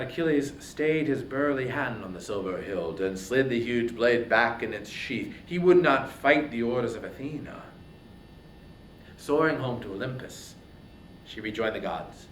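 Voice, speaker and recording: A man's voice: on the low side, unhurried. A man giving a dramatic, declamatory reading of epic poetry as narrator. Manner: theatrical, declamatory. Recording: roomy echo, faint background noise.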